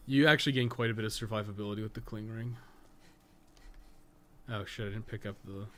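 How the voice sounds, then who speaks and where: Low-voiced man rambling over clear background noise. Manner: opinionated, rambling, profane, thinking aloud. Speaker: game streamer and guide maker. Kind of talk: casual gameplay livestream commentary.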